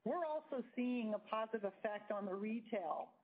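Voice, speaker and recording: A woman's voice: on the high side, expressive, normal speed. A woman speaking as a company executive, answering questions on a business conference call over the phone. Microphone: telephone conference call. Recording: tinny phone line.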